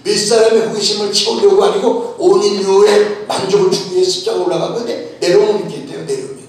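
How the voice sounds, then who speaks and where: Male pastor, emphatic preacher, fairly high voice, caught from a distance in a big echoey church. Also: flat delivery, brisk, a little mellow. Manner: emphatic, urging listeners to listen closely, many rhetorical questions. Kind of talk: sermon. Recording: echoey hall from far off, faint noise.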